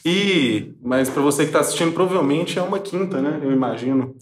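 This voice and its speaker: A man's voice: fairly high pitch, a little fast, roomy sound. A Brazilian man hosting a podcast in a casual, playful, tongue-in-cheek way. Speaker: podcast host. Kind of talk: casual, joking podcast chat.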